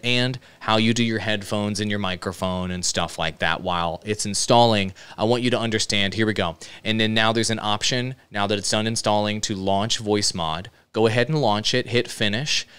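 A man giving casual step-by-step software instruction into a close broadcast microphone. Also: fairly low pitch, fairly even intonation, fairly quick, few pauses, clear, resonant tone. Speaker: software tutorial host. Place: indoor streaming room. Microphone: close dynamic broadcast microphone with headset monitoring.

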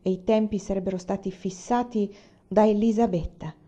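Woman narrator, first-person historical novel, measured expressive reading, warm dark tone, slightly muffled lo-fi audio. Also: medium pitch. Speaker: reader.

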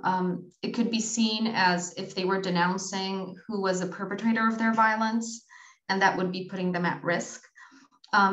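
Young woman on a roomy, muffled video call. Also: mid-range voice. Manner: thoughtful, hedging with fillers. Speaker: presenting researcher. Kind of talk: academic Q&A answer. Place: small plain room, indoors. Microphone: laptop mic on video call.

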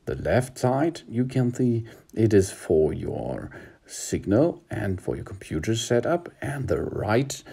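Recorded on a handheld phone inside a car, a man presents a car tutorial, taking viewers through the steps in a methodical, hesitant way full of pauses. He has a lowish, very animated voice that is creaky and mellow with a breathy edge.

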